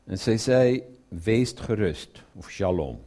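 A man preaching a sermon who retells a Bible story, drops to a low murmur for quoted lines and puts questions to his listeners. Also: expressive, slow pace, warm tone.

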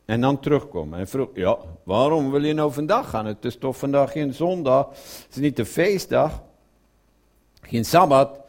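A man's voice: animated, normal speed, a little mellow. Guy preaching, voice goes up and down a lot, murmurs the quotes, asks the crowd stuff. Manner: drops to a low murmur for quoted speech, asks the audience questions. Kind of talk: sermon retelling a Bible story.

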